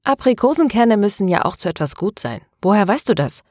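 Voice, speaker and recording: A woman's voice: medium pitch, big pitch swings, fairly quick, darkish tone, no echo, studio quality, voice pushed up. A woman narrator voicing a troubled young woman who hesitantly confides in her best friend.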